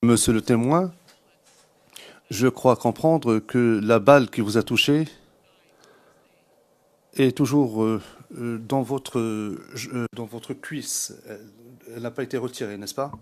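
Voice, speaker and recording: A man with a medium-pitched voice works as a court interpreter. He renders questions formally and carefully, pausing between phrases.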